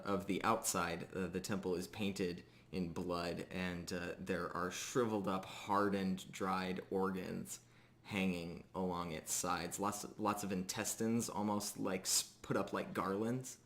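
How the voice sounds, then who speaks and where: A man with a fairly low, creaky voice works as game master. He improvises descriptions for a tabletop game, laying out scenes piece by piece with hesitant phrasing. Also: level tone, a little slow.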